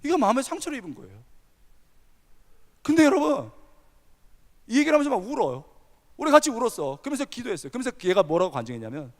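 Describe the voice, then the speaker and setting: A male pastor preaching a sermon, telling a story with animated energy and asking the audience questions. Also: very high voice, fast talker, pauses often. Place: large church hall. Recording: long hall reverb.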